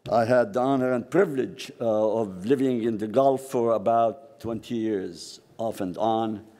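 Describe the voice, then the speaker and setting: An older man from Syria, a professor, giving a formal, measured conference speech at a podium with frequent pauses. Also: fairly low pitch, dark tone. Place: large conference hall. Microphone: podium microphone. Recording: long hall reverb.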